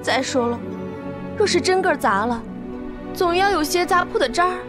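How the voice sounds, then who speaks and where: An actress playing a worried young maidservant in a period TV drama, coaxing and pleading. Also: female voice, very high voice, expressive, moderate pace, over music. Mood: anxious coaxing.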